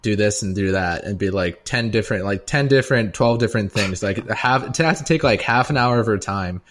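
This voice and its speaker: A man with a fairly low voice speaks as a podcast co-host. He tells anecdotes casually, in loose, slangy language. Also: fairly quick, a bit bright, slight background noise.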